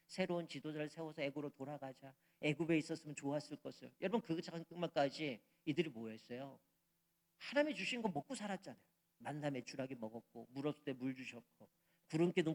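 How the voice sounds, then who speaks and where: A male pastor preaching an emphatic sermon, often putting questions to his congregation. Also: fairly high pitch.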